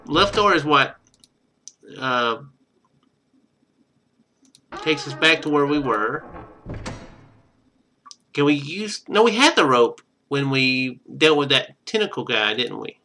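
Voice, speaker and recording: A man's voice: medium pitch, animated, slow, pauses often, sharp tone, a little hiss or hum. A man doing casual video game commentary, thinking aloud as he plays.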